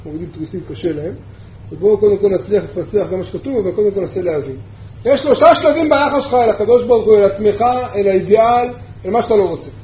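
A rabbi with a fairly high voice teaches a Torah lesson, asking his class questions and circling back to his main points. The room is echoey, the sound is a little dull, and there is a faint hum behind him. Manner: asks the class rhetorical questions, repeats key points.

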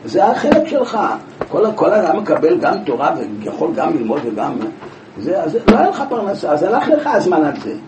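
A man teaching a Talmud class, telling the story with lively rhetorical questions. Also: a little high. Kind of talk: Talmud class, explaining a passage. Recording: echoey room from far off, with background noise.

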